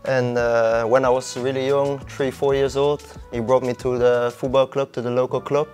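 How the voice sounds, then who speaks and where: A man's voice: mid-range voice, flat delivery, moderate pace, darkish tone, faint music behind. Laid-back young Dutch-accented man. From Netherlands. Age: young adult. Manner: laid-back, hesitant with many ums and uhs. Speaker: guest footballer. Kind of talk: casual interview.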